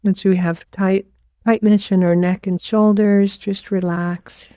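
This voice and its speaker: A woman leading a guided meditation as a teacher, giving gentle, unhurried instructions with pauses. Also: mid-range voice, flat delivery, no echo, studio quality.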